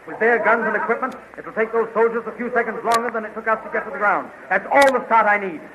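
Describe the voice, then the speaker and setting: A man playing a bold young space hero in a 1930s radio drama, brisk and commanding. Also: high-pitched, crowd noise, close to an everyday voice. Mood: determined. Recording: muffled, hissy 1930s radio recording.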